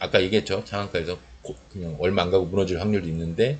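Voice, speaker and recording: A man is speaking. His pace is fairly quick. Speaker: stock market commentator. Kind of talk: market analysis broadcast. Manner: fast.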